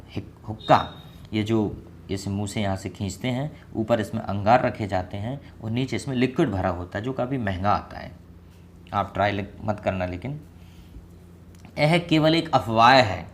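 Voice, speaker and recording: A man's voice: on the low side, slight background noise. Chatty Hindi-accented man teaching English. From India. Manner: chatty and joking, repeats example sentences slowly. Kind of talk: casual spoken English lesson.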